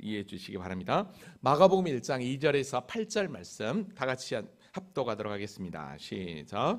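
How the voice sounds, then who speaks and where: Man at medium pitch with vocal fry, very wide pitch swings and a moderate pace. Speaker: pastor. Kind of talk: sermon. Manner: halting with fillers.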